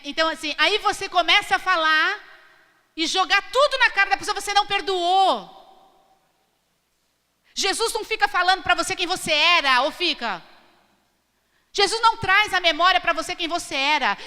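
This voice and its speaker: High bright woman preaching in a hall. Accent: Brazilian Portuguese. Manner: emphatic, questioning the congregation. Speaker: pastor. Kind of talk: sermon. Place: church hall. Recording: long hall reverb.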